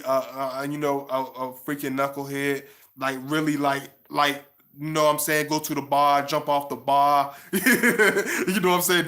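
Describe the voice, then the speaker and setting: A man's voice: on the high side, pushed and bright. A man, talking to viewers in a rambling way with many restarts and "you know what I'm saying". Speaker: channel host. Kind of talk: casual monologue to viewers.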